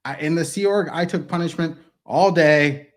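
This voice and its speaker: A man's voice: fairly high pitch, moderate pace. A man in his thirties speaking as a guest in a casual interview, blunt and emphatic, swearing freely, recorded at a desk mic in a wood-paneled studio. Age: 30s.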